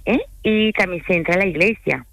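A woman's voice: lowish voice, fairly quick, creaky, fairly bright tone, no room sound. A middle-aged woman, a native French speaker, talking casually as a guest on a radio interview about her guided tours, often tagging sentences with "vale?". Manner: chatty, frequent "¿vale?" tags and fillers. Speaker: tour guide and company manager.

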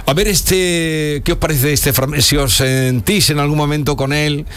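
A man's voice: a little high, steady tone, normal speed, a bit bright, clear, resonant tone. Teasing male radio host. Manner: teasing, steers the talk. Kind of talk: live studio chat. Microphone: studio microphone.

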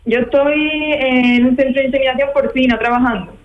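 A woman's voice: high-pitched, steady tone, a little fast. A woman in her twenties on a phone call, talking over speakerphone and giving plain, matter-of-fact answers. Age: 20s. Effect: on speakerphone over a phone line. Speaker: caller. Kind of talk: phone interview from her workplace. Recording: distant, dull phone line.

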